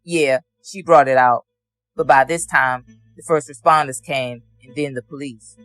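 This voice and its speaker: A man's voice: medium pitch, steady tone, unhurried, fairly bright tone, no room sound. A man giving courtroom testimony as a witness, answering in a plain, matter-of-fact way.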